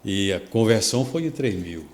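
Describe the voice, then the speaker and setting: A Brazilian man, a pastor, telling a story on a devotional podcast, lively and acting out the people he quotes. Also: lowish voice, normal speed, echoey room. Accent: Brazilian Portuguese. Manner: animated storytelling, acts out quoted speech.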